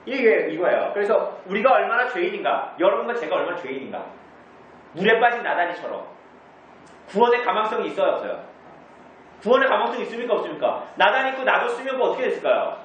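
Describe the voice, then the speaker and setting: A man's voice: high voice, very animated, fast, fairly bright tone, a little hiss or hum. A man teaching a church group about the catechism, asking the congregation questions and answering them himself. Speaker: pastor. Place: church meeting room. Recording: distant, echoey, dull room recording.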